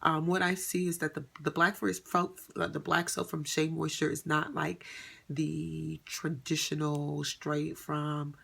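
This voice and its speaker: Creaky-voiced woman in her thirties. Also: low-pitched, flat delivery, a little slow, a bit bright. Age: 30s. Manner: rambling, many ums and self-corrections. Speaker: beauty vlogger. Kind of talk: casual chat to camera.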